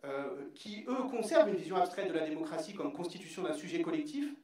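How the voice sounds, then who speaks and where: A man on a panel reading out an academic talk in a measured way, with a few fillers. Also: a little high, very animated, crowd noise. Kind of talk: read academic presentation. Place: large hall on a stage. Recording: very echoey hall from far off.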